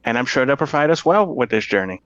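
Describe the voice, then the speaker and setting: A man's voice: medium pitch, lively intonation, fast talker, fairly bright tone, dry recording, lo-fi sound. A man chatting casually as a player in a tabletop game.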